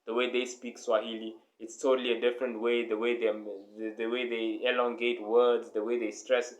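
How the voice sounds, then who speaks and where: A man's voice: medium pitch, level tone, normal speed, poor audio. Young man giving rambling reaction commentary. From South Africa. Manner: rambling, frequent "like" fillers, frank swearing. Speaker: reaction video host.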